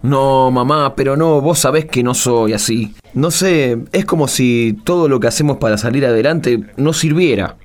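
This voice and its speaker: Radio drama: frustrated grown farm son, Argentine male performer, medium pitch, restless and sardonic. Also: moderate pace, few pauses, soft background music, lightly acted. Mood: apologetic, despairing.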